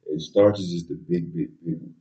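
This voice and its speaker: A young man with a very low, dark voice talks in a loose, rambling way, sprinkling in slang. He sounds nasal and stuffed up from a cold. The audio is a bit dull and muffled. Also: steady tone, normal speed. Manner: laid-back, rambling storytelling with slang. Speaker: podcast host. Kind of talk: casual solo podcast talk.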